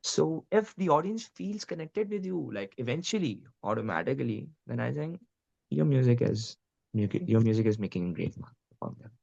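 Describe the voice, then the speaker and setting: A man's voice: mid-range voice, sing-song, normal speed, vocal fry, darkish tone, muffled recording. A young man with an Indian Punjabi accent, a guest musician talking earnestly and casually, with lots of "you know" and "like". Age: young adult. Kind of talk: casual interview talk.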